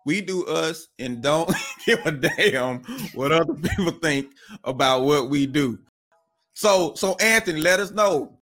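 A man co-hosts a casual talk show podcast, reading out viewer comments and pushing for answers in a conversational way. His pitch is fairly high and his tone fairly bright.

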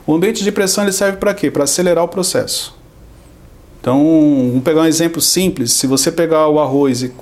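Gravelly, quick-talking Brazilian man. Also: on the high side, a little mellow. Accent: Brazilian Portuguese. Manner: explains with everyday examples and acted-out quotes. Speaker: podcast guest. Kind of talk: conversational teaching.

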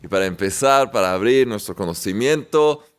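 A man's voice: lowish voice, expressive, moderate pace, smooth. A man giving a sermon-like spiritual talk, repeating phrases and chuckling often between points. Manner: warm-hearted, repetitive, chuckling often. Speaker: spiritual teacher.

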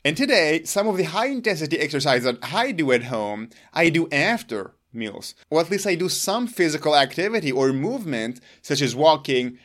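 A man's voice: a little high, sing-song, fairly bright tone. Earnest man, Hebrew his first language. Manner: earnest, emphatic, deliberate. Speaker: longevity vlogger. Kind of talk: explaining personal routine to camera.

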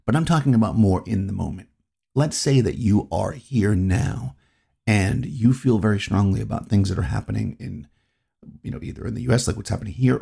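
Gravelly, low-voiced man from New England. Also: warm tone. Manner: rambling, circles back on himself. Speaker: podcast host. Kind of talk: reflective solo podcast talk.

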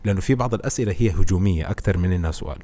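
A man talks quickly in a low, mellow voice with a husky edge. He is a guest on a relaxed podcast. He explains his points through animated personal stories. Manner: animated storytelling, explains with anecdotes. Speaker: guest, presentation expert. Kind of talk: casual podcast conversation.

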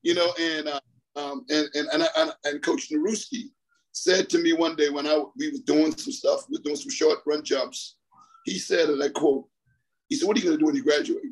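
A man's voice: a little high, fairly even intonation, a little fast, low-quality recording. A middle-aged man from the Bahamas, a track coach, telling his story in a rambling way over the phone, repeating himself and laughing often. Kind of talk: storytelling interview on a call.

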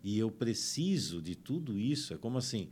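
A man telling stories as a guest in a conversation, animated and acting out the dialogue he quotes. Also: lowish voice, normal speed, slight background noise. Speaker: guest, family and career consultant. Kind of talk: storytelling in conversation.

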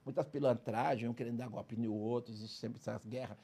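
Speaking fairly quickly with fairly even intonation, this man has a warm, husky voice of medium pitch with vocal fry. He's an ex-criminal turned prison speaker, recounting his life in a relaxed interview in an emphatic, streetwise way and peppering it with "cara" and "entendeu?" to check in with his listener.

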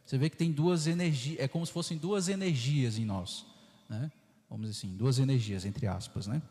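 A man, a Catholic priest with a Brazilian Portuguese accent, teaching catechesis in a chatty way and tagging nearly every sentence with a quick question. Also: medium pitch, dark tone. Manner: conversational, constant "né?" tag questions, acts out inner voices. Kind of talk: informal catechesis talk. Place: parish church hall. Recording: reverberant church hall, flawed audio.

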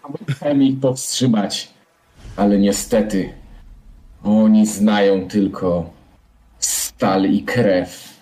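A man voicing a weary adult male warrior who speaks with calm, grim understatement. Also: lowish voice, takes it slowly, long pauses, low-quality recording.

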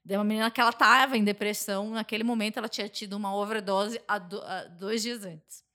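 A Brazilian woman talking casually as a podcast guest, telling stories in an animated, talkative way. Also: mid-range voice, quick pace. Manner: talkative, animated storytelling with frequent laughs.

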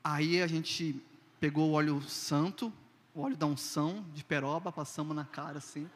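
A man, preaching in an animated, self-mocking storytelling style and acting out dialogue. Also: fairly high pitch, normal speed, long reverb tail. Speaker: preacher telling a testimony. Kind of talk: humorous sermon storytelling.

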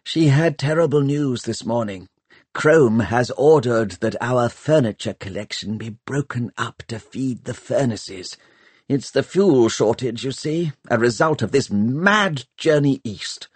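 A man voicing a kindly older male historian with a soft, husky voice. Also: mid-range voice, animated, measured pace, dry recording, voice pushed up. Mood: hushed.

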